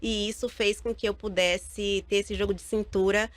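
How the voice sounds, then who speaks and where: A woman's voice: mid-range voice, level tone, normal speed, no room sound. A Brazilian woman from Bahia talking as a guest in an interview. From Salvador, Bahia, Brazil. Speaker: guest, lawyer and activist. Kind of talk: personal interview talk.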